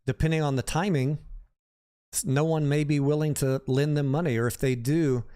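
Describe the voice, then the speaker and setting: A man's voice: a little high, steady tone, moderate pace, mellow, clear, resonant tone. A man hosting a livestream, talking casually about the stock market and answering viewers by name in a conversational way.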